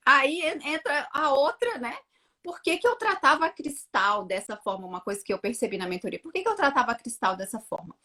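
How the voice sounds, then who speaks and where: A woman in her thirties, a mother telling her story on a casual live chat, acting out her own words with lively energy. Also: high voice, fairly quick. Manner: animated storytelling, acts out her own quotes. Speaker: guest, mother of two.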